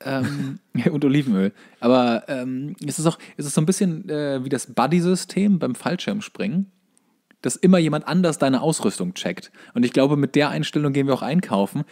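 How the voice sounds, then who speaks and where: A man's voice: medium pitch, normal speed, darkish tone. Man chatting casually as podcast co-host. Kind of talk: casual chat.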